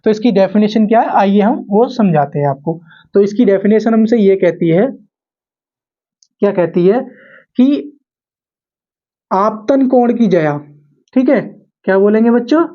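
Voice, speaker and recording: Recorded in dull, lo-fi sound, this classroom lesson to camera features a man coaching students in physics for exams. His animated, high-pitched voice moves at a measured pace with frequent pauses, and he keeps repeating key phrases and answering his own questions.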